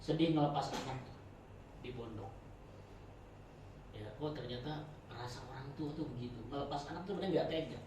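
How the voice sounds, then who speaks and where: A man teaching a religious study circle in a chatty, joking sermon style, swinging between loud and soft. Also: mid-range voice, fairly quick, pauses often, background noise. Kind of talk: informal sermon. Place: prayer room. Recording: very echoey room, voice from far off.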